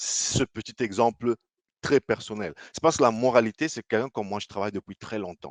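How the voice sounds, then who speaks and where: A man's medium-pitched voice at a moderate pace, with a dry, close sound and no echo. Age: 40s. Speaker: business commentator. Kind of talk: vlog monologue. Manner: conversational, with hesitations.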